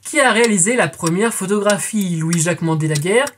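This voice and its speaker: A woman's voice: mid-range voice, fairly quick, noisy background. A woman in her twenties hosting a scripted educational quiz, chatty and playful, calling her viewers friends and adding jokey asides. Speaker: quiz show host.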